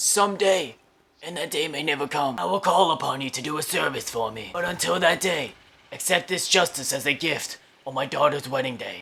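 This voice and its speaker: This man uses a put-on character voice that is gravelly and guttural, pitched fairly high. He moves at a fairly quick pace. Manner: fast, imitating a movie line.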